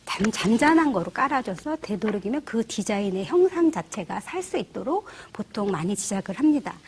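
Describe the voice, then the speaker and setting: A middle-aged woman teaching church flower arranging, explaining each step gently and often asking the viewer rhetorical questions. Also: medium pitch, husky. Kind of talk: instructional demonstration.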